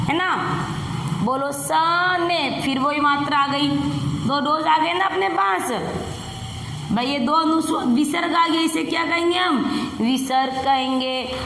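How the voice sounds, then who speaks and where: A woman's voice: high-pitched, creaky, fairly bright tone, slight background noise. A woman teaching young children a Hindi lesson, sounding out words syllable by syllable and asking coaxing questions. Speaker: primary school Hindi teacher. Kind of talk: recorded classroom lesson. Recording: echoey room with long reverb.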